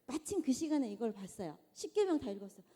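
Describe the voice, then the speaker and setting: A middle-aged woman giving a conversational church lecture to mothers, animated and often asking the audience questions. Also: fairly high pitch, fast talker, husky. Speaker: guest lecturer. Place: large church hall. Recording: long church hall reverb.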